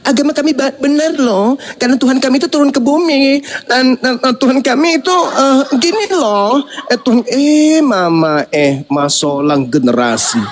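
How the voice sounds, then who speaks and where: A man's voice: sits high, a little hiss or hum. A man, hosting a heated livestream debate, mocking and scolding with bursts of laughter. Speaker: debate host.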